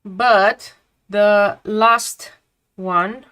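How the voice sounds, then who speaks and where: A woman's voice: medium pitch, steady tone, very slow, fairly bright tone, clear, resonant tone. A woman from Romania, speaking English as a second language, chatting casually and reflectively while she paints on a live stream, often trailing off mid-sentence.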